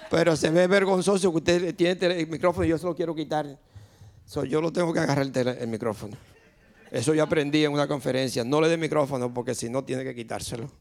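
A male pastor leads a church service, firing questions at his congregation and repeating them to press for answers. His voice sits fairly high and moves at a brisk pace. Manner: quick, lively, asks and repeats questions.

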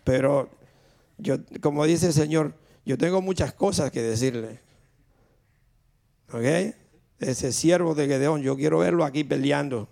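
A male pastor preaching and questioning his congregation in a quick, lively manner during a church service. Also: on the high side, vocal fry.

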